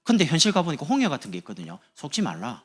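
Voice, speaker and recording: A man's voice: fairly high pitch, huge pitch swings, racing, breathy edge. A man preaching as a pastor, speaking in a chatty, humorous sermon to his congregation in a church. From Busan, South Korea. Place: church sanctuary.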